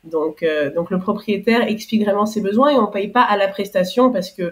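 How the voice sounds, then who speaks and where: A somewhat breathy woman's voice. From France, Paris. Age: 30s. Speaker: entrepreneur. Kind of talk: interview conversation. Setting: podcast. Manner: hesitant, many fillers.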